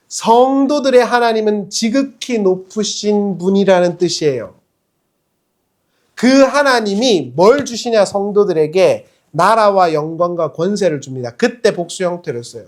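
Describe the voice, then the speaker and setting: A male pastor preaching a sermon in a conversational, lively way, putting rhetorical questions to the congregation. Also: sits high. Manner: acts out quoted speech in other voices.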